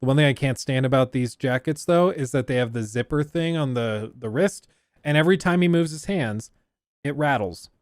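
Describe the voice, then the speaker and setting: A man's voice: medium pitch, normal speed, no room sound, clean studio sound. A man giving casual, enthusiastic live reaction commentary on a stream, chatty and loose with fillers. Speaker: streamer reacting to a game showcase.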